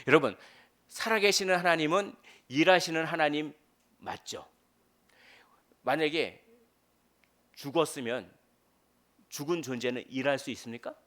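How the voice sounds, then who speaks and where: A man preaching a midweek sermon as pastor, in a conversational way with fillers, rising to loud dramatic quotations. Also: a little high, moderate pace, long pauses.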